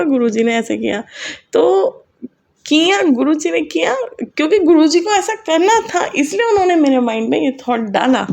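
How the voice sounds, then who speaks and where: A middle-aged woman speaks to her congregation about a personal spiritual experience. She sounds chatty and emotional. Her voice sits high and carries a gravelly, creaky edge. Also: darkish tone. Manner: chatty, emotional, sings short devotional lines. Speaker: devotee sharing a spiritual experience.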